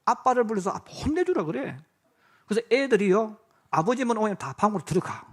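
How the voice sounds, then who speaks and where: A man's voice: high-pitched, lively intonation, a little fast. A male pastor preaching a sermon in a church. He keeps putting questions to the congregation and answering them himself. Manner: addresses the listeners directly and often. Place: church sanctuary.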